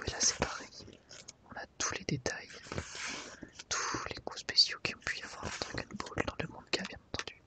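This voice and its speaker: In a soft, leisurely whisper, the ASMR host leads a guided browse through a book.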